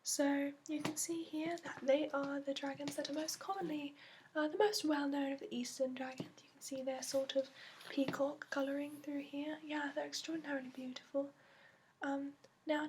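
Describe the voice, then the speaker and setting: A woman playing a gentle female dragon expert in a soft-spoken, partly whispered ASMR fantasy roleplay, explaining slowly and hesitantly in a put-on accent. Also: sits high, little pitch movement, a little hiss or hum, lightly acted. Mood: gentle, informative. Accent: put-on, non-native to the performer.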